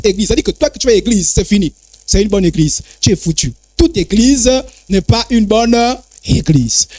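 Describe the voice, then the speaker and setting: High, lively-voiced male preacher. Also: dry recording. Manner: emphatic repetition, call-and-response phrasing, wide pitch swings. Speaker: apostle preaching. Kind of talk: sermon.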